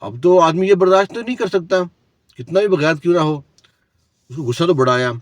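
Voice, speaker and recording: A man's voice: a little high, expressive, dry recording. A man telling a cautionary story in a preachy, lecturing way, asking the listener rhetorical questions. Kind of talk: moralizing storytelling.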